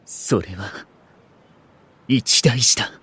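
A man playing a composed, courteous and earnest gentleman in a voice drama, with measured, slightly formal speech. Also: medium pitch, breathy edge, no room sound, full character voice. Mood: troubled. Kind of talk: Japanese voice drama acting.

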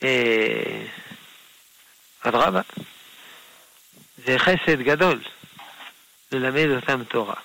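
Gravelly-voiced rabbi answering callers. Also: male voice, medium pitch, lively intonation, rough recording. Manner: gentle, unhurried, explains patiently with soft laughs. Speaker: rabbi answering listener questions. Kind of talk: radio call-in Q&A.

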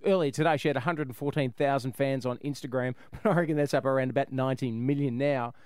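A man's voice: mid-range voice, fairly even intonation, fast, darkish tone, clear, resonant tone, no room sound, studio quality. An Australian man hosting a radio show with casual, irreverent comedy banter and a jokey, rambling way of talking.

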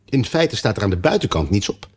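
Man reading as a jittery storybook white rabbit, husky and higher than the narrator, bowing and scraping in a hurry. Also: sing-song. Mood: fussy. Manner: deferential, hurried. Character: fussy nervous white rabbit herald, male.

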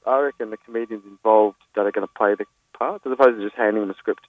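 Fast-talking man on a phone line. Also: lowish voice, fairly even intonation, no echo. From Australia. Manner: rapid, stumbling restarts, laughs easily. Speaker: guest comedian. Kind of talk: phone interview, anecdotes.

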